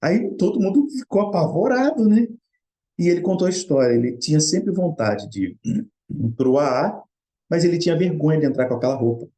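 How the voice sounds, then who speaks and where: A man's voice: fairly high pitch, big pitch swings, moderate pace, mellow. A middle-aged Brazilian man speaking in an earnest, conversational way, telling a personal story in a Spiritist study talk. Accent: Brazilian Portuguese.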